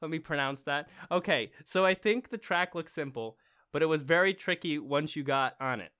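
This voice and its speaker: A young man co-hosts a podcast, reading listener emails aloud and rambling with plenty of fillers as he gets worked up about marble racing. His voice is a little high and sharp in tone, at a normal speed, in casual chat.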